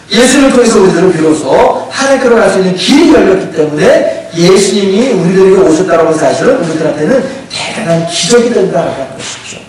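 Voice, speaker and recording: Lively male pastor preaching. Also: high-pitched, a little hiss or hum. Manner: conversational, asks rhetorical questions. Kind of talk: sermon. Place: church sanctuary. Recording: echoey church hall, distant mic.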